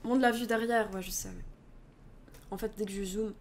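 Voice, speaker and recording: A woman's voice: medium pitch, fairly even intonation, fairly quick, slight background noise. A young adult woman with a French accent, a streamer chatting casually, reading out and answering chat while switching languages.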